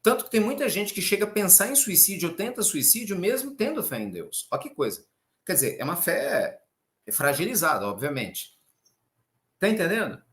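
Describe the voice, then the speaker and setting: A man's voice: high voice, moderate pace. A man from Brazil, giving an informal spiritual talk straight to his listeners and acting out quotes. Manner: animated, talks straight to listeners, acts out quotes. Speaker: spiritual teacher.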